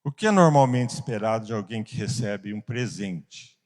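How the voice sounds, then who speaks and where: In a lowish, darkish voice with lively intonation, a Brazilian-accented man teaches a Bible class as a Sunday school teacher. He sounds earnest, pausing for emphasis and asking rhetorical questions.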